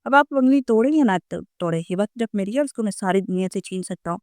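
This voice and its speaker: A woman's voice: mid-range voice, lively intonation, quick pace, darkish tone, no echo, natural voice. A protective, devoted young man from a romance storybook, as a woman reader puts him on. The reading is raised and firm, with a dry, close sound.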